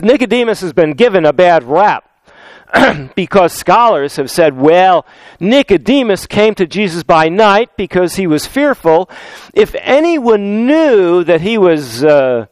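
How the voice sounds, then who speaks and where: A man with a fairly high, smooth and resonant voice, preaching a sermon. He weaves in stories and scripture and draws out key phrases for emphasis. The sound is close and dry. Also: no room sound, poor audio. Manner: storytelling with anecdotes and scripture, slows down for emphasis. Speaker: pastor.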